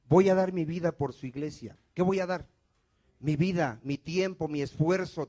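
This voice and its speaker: A man with a high voice preaches a sermon in church, questioning his listeners and answering himself. His delivery swings between loud, emphatic lines and quiet, falling endings. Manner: call-and-response preaching, asks questions and answers them himself. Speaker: pastor.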